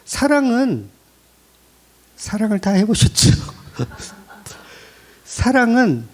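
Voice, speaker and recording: A man's voice: high voice, very slow. A man preaching a sermon as a pastor, speaking conversationally and asking his congregation questions. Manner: lively, rising emphasis. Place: church.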